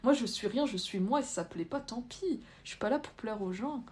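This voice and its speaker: A young French livestream host, her voice a little high and darkish with lively intonation, talks a little fast. She picks out viewer comments, reads them aloud and answers bluntly, though her phrasing stays loose and hesitant.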